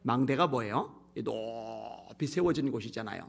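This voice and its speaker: A man's voice: mid-range voice, animated, normal speed, gravelly. A male pastor preaching a sermon, reading scripture aloud and explaining it in a plain, conversational way, with a strained voice from bronchial trouble. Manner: reads scripture loudly, then explains in plain conversational asides.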